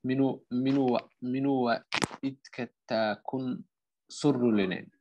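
A man who is not a native speaker, giving halting beginner answers in an online language class. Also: mid-range voice, steady tone, highs cut off, a little hiss or hum. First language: not Finnish. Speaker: language learner.

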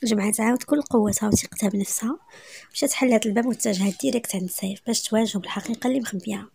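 A woman with a Moroccan accent narrating a romantic story in a dramatic, sometimes hushed way. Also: on the high side, racing, vocal fry, a little hiss or hum.

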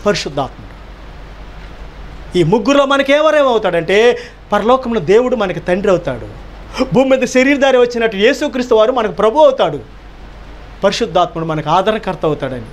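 A man pastor delivering a sermon, emphatic, firing rhetorical questions and repeating key phrases. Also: very high voice.

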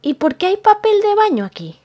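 A woman with a very high, sing-song, mellow voice speaks fairly quickly. She's a roleplay channel host improvising a game role as a jumpy, easily frightened, fussy young woman who stammers and repeats words when startled, sounding jittery and flustered.

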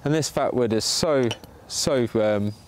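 A man's voice: mid-range voice, measured pace. Chatty man hosting a woodland livestream. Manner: chatty, reads out viewer comments while demonstrating. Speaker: bushcraft livestream host. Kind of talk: casual live commentary while working. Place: sunny woodland outdoors. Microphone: camera pointing down at his hands.

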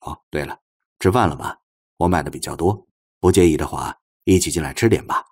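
A gentle male professor, played by a male narrator, speaks in a very deep, husky voice. He is courteous and tactful, softly putting his questions in an audiobook story. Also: a little fast. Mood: kindly, coaxing. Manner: soft, courteous, probing questions.

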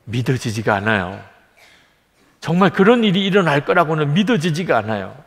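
A middle-aged male pastor delivers a sermon with an earnest, lively rise and fall in his voice. He sits a little high for a man. His words ring out with the long reverb of a large church sanctuary. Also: brisk. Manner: earnest preaching, acts out a child's plaintive voice in quotes.

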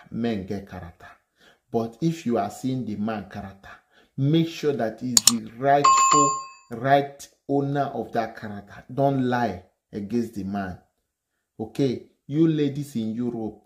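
A man with a Nigerian accent lectures his viewers in a slightly low voice. His commentary is opinionated and preachy, sliding between English and Pidgin. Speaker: vlogger.

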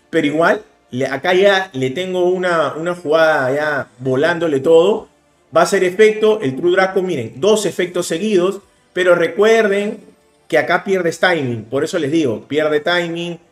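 A man in his thirties with a Peruvian Spanish accent, commentating a card game replay in a casual, animated way. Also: high-pitched, roomy sound. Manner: animated, explaining plays rapidly with bursts of emphasis. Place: indoor room, webcam overlay.

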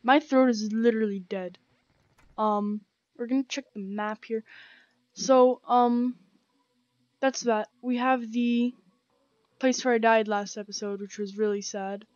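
A young woman talks through her gameplay in a casual, rambling way, dropping slang and plenty of ums. Her voice sits a little high and sounds croaky from a sore throat. The recording is dry and slightly dull, close on a headset mic. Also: steady tone, measured pace, long pauses, darkish tone, no echo. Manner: chatty, rambling, slangy with many fillers. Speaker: gaming channel host. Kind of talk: casual let's-play commentary. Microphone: gaming headset.

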